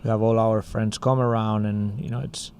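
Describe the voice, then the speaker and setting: A man's voice: fairly low pitch, little pitch movement, moderate pace, a little mellow, a little hiss or hum. Spanish-accented man telling a story. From Spain. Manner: storytelling, many fillers like "you know" and "like". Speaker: co-founder of a music school. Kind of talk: casual podcast chat.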